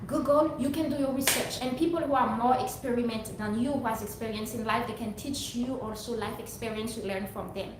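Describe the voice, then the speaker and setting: A woman's voice: fairly high pitch, a little fast, few pauses. Earnest woman talking in an echoey room. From Haiti. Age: young adult. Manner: rambling, earnest, preachy. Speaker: vlogger. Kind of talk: casual monologue to viewers. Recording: very echoey room, distant mic, faint noise.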